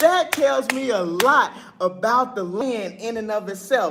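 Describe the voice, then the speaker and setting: A loud man speaks in an animated tone with lively intonation and extremely high pitch. Noticeable background noise can be heard. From United States. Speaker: vlogger. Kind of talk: casual vlog monologue. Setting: indoors by open window.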